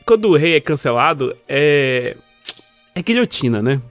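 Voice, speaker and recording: A man's voice: fairly high pitch, very animated, normal speed, fairly bright tone, soft background music. A man co-hosting a casual podcast, laid-back and dry in his replies. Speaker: podcast co-host.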